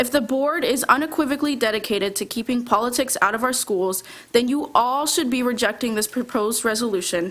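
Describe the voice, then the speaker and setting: A woman speaks at a fairly quick pace in an American accent, her high pitch showing ordinary variation. Noticeable background noise can be heard. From Sarasota, Florida. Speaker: parent, public commenter. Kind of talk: public comment at school board meeting. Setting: school board meeting. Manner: forceful.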